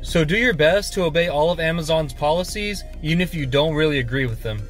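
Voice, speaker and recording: A man's voice: on the high side, fairly quick, faint music behind. A man in his twenties giving casual advice to camera in a vlog, recorded at arm's length inside a car. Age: 20s. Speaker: YouTuber and warehouse worker giving tips. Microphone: phone or camera at arm's length.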